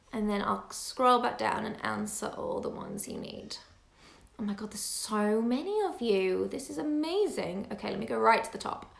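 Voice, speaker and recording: A woman speaks in an animated tone. Noticeable background noise and audible room echo are present. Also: moderate pace. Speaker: money mindset coach. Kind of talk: live stream teaching. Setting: live video stream.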